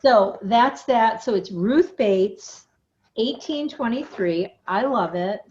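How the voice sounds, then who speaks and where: A woman's voice: on the high side, animated, slow pace, darkish tone. Middle-aged woman co-host, casual and chatty, dull recording with light noise. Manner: chatty, giggly. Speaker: flosstube co-host. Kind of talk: casual chat. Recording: dull lo-fi sound with faint noise.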